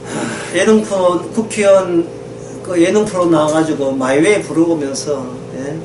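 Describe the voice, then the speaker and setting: A woman's voice: on the low side, steady tone, unhurried, noisy background. A woman preaching a sermon, emphatic and full of rhetorical questions, often prodding listeners for agreement. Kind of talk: sermon lecture. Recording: echoey room from a distance, faint ambience.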